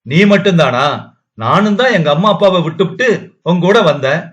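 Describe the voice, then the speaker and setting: A man's voice: high voice, expressive, moderate pace, a bit bright, pitched above the performer's own voice. A man voicing a drunk young rickshaw man who slurs and mocks bitterly, in a dull lo-fi recording. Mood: drunk defiance. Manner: slurred, mocking speech. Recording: dull lo-fi audio.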